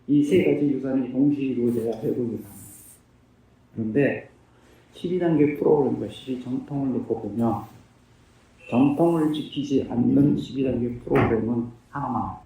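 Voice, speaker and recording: In a very echoey room with a distant mic, a man in his fifties gives a personal recovery testimony. His medium-pitched voice is warm and moves at a moderate pace, and he speaks earnestly and plainly, posing questions to himself and then answering them.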